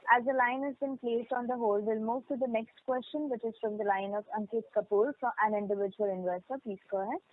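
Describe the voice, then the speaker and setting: A woman's voice: fairly high pitch, steady tone, fast, few pauses. A woman working as conference call operator, moderating in formal, scripted phrases. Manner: formal, procedural. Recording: dry, narrow phone line.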